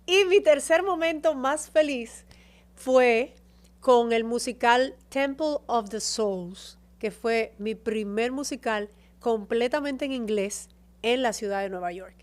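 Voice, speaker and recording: Expressive woman with a higher voice. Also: slow pace. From Dominican Republic. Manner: expressive storyteller, emotional about home. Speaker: guest, actress and TV presenter. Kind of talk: casual interview chat.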